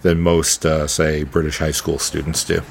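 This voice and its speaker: A man's voice: extremely low pitch, flat delivery, moderate pace, vocal fry, slight background noise. A male podcast host talks casually. He is hesitant, stammering over small words and repeating them while he hunts for what to say.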